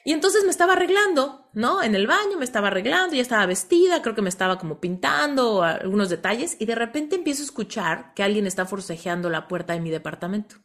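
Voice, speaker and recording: A woman with a Mexican accent hosting a motivational coaching talk, telling stories in an animated way and often ending lines with a questioning tag. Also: a little high, quick pace, few pauses. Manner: animated storyteller, tags lines with "¿no?". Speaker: host.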